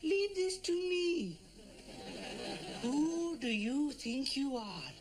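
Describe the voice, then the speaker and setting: An actor playing an earnest, hot-headed young assistant who speaks up indignantly. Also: male voice, very high-pitched, very animated, very slow, a crowd in the background, heavily acted. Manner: indignant, eager to defend.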